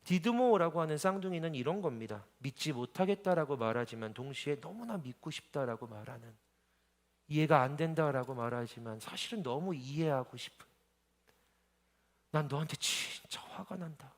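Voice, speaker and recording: A man in his thirties, a pastor preaching a sermon in a church hall, moving from quiet storytelling into impassioned pleading cries. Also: on the high side, animated, fairly quick.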